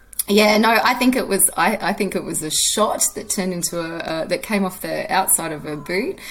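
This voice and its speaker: Barely pausing, a woman with an Australian accent speaks at a medium pitch with ordinary pitch variation over noticeable background noise. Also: moderate pace. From Australia, Canberra. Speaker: former women's footballer and pundit. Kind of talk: casual chat.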